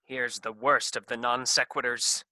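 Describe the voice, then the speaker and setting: A man's voice: medium pitch, flat delivery, unhurried, sharp tone, no room sound, poor audio. A man playing a flustered, self-important doctor in a comedy sketch reading, grave and melodramatic. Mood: clinical. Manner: hesitant stammer turning to bossy, melodramatic gravity. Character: flustered, self-important male doctor who operates on scripts.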